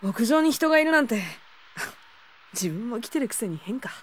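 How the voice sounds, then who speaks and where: Woman playing a high-voiced, easygoing schoolboy. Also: expressive, moderate pace, noisy background, lightly acted. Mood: surprised, considerate. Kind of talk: Japanese audio drama acting.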